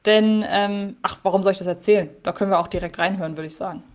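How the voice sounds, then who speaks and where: A woman co-hosting a podcast about a radio play, talking things through in an analytical, wordy way and often rephrasing herself. Her voice sits at an ordinary pitch. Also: steady tone, fast talker. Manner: analytical, wordy, self-correcting. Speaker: podcast co-host.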